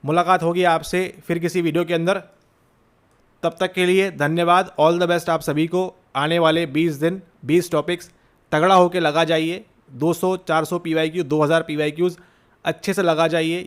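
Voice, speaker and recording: A man's voice: a little high, flat delivery, moderate pace, clear, resonant tone. Urgent, exhorting male tutor. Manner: urgent, exhorting, repeats "theek hai?" often. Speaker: exam coaching teacher. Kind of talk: motivational exam-prep lecture.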